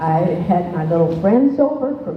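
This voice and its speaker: Amid noticeable background noise and audible room echo, a woman with an American accent and a fairly low pitch speaks at a very slow pace. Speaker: elderly speaker recalling her life. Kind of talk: personal storytelling presentation. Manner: halting, with fillers.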